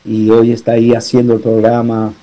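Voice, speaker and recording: Dark-voiced Argentine pastor sending greetings. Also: male voice, mid-range voice, completely flat delivery, dull audio. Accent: Argentine Spanish. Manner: slow, earnest, blessing-filled greetings. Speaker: pastor calling in. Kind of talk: voice message to a radio program.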